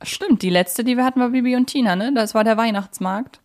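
A woman's voice: fairly high pitch, brisk. A woman co-hosting a podcast in a casual fan discussion, speaking in a reflective and opinionated way. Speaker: podcast co-host.

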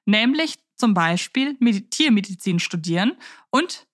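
A woman's voice: medium pitch, animated, measured pace, no echo, clean studio sound. A woman co-hosting a podcast in a conversational, reflective way, explaining things in detail. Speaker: podcast co-host.

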